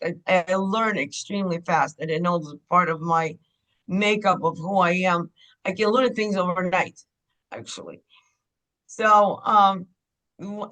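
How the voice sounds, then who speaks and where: A woman's voice: medium pitch, fairly bright tone, low-quality recording. A woman from Ukraine, candidly telling her life story as a guest on a podcast interview. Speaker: guest, clinic owner.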